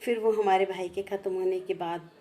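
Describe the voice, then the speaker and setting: A woman speaking slowly and heartfelt as she recalls her past, repeating each phrase twice. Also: medium pitch, steady tone, warm tone, a little hiss or hum. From India. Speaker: vlogger sharing memories. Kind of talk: personal reminiscence.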